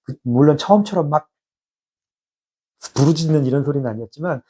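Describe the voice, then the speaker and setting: A man in his fifties giving a personal spiritual testimony, reflective and halting with many restarts. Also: a little high, lively intonation, dark tone, slight background noise.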